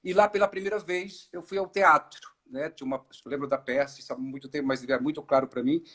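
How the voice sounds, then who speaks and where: A middle-aged man from Ceará, an actor and director, telling his story in a relaxed live-stream interview, with many fillers and restarts. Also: a little high, fast talker. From Ceará, Brazil. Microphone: video call.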